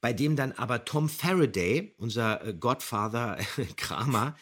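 A man's voice: mid-range voice, animated, unhurried, fairly bright tone. A man co-hosting a podcast, giving casual commentary and background on a radio play. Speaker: podcast co-host.

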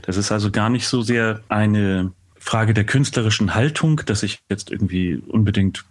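Middle aged guy, bit low voice, reflective interview guest, lots of hesitant pauses. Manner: hesitant, deliberate phrasing with frequent pauses. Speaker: interview guest, composer and music producer. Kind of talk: reflective interview answer, recounting past work.

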